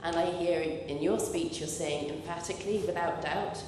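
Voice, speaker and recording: A woman in an audience asking a measured question, with frequent pauses to say "um". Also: fairly even intonation. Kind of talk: question from the floor. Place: lecture hall audience. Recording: roomy hall mic with low rumble.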